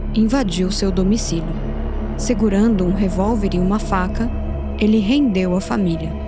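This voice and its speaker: A woman's medium-pitched voice with ordinary pitch variation at a fairly slow pace, music in the background. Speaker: true crime podcast narrator. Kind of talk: true crime narration.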